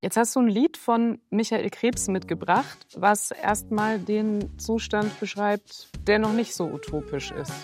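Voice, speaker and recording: A woman hosting a radio music interview, asking calm, prepared questions. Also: medium pitch, measured pace, hardly any pauses. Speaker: radio host. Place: radio studio.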